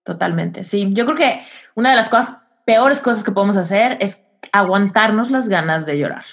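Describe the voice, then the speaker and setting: A woman hosting a podcast interview, affirming her guest and asking lively questions. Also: mid-range voice, normal speed, creaky. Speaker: podcast host. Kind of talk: supportive interview.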